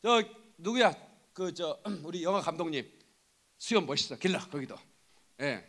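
High, lively-voiced preaching man. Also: moderate pace. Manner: rousing, calls out to the congregation for responses; jokey asides between preaching. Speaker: pastor. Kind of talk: lively sermon. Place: church sanctuary.

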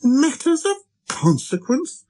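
A man voicing an earnest, persistent little boy prince in a storybook, with a high, light, childlike voice and an insistent way of talking. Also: wildly swooping pitch, slow pace, warm tone, heavily acted. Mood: indignant. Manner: insistent, questioning.

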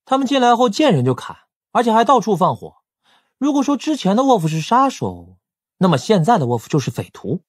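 A man playing a playful, chatty young gangland casino owner in an audiobook drama, with a whiny, animated manner. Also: high-pitched, fairly quick, breathy edge, no room sound, clean studio sound, full character voice. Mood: curious. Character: playful, chatty young male casino-owning crime boss's brother. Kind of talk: Mandarin audiobook drama acting.

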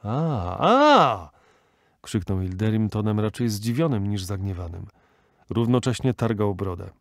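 A man narrating a classic novel as an audiobook, measured and expressive. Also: fairly low pitch, dry recording, studio quality.

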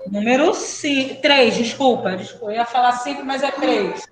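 A woman with a Brazilian Portuguese accent teaching a primary class online, brisk and questioning, calling pupils by name. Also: a little high, echoey room, a crowd in the background, rough recording.

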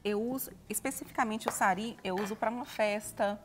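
A woman in her thirties, a missionary guest on a TV cooking show, speaking in an earnest, measured and devout way. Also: medium pitch, a little hiss or hum. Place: TV studio kitchen set.

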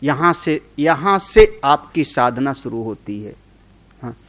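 A man's voice: mid-range voice, expressive, slow pace, fairly bright tone. A man, a Hindu spiritual teacher, giving a conversational sermon on scripture. He tells homely stories and often checks in with his listeners.

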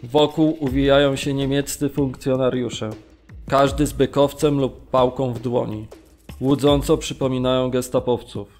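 A man's voice: mid-range voice, little pitch movement, normal speed, a little mellow, faint music behind, natural voice. Actor as grave male prisoner recalling horrors. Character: male Polish camp prisoner recalling brutality, grave, restrained. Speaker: narrator reading witness testimony. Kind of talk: scripted radio drama narration.

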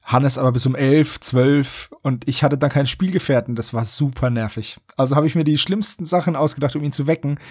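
Slightly husky man, casual podcast chat. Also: medium pitch, fairly quick, hardly any pauses, darkish tone, no echo, studio quality. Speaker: podcast host.

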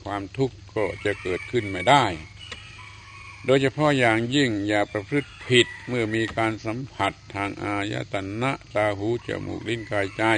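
An older man, a Buddhist monk from Thailand, giving a slow, measured sermon with occasional hesitant fillers. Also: fairly low pitch, fairly bright tone, a little hiss or hum.

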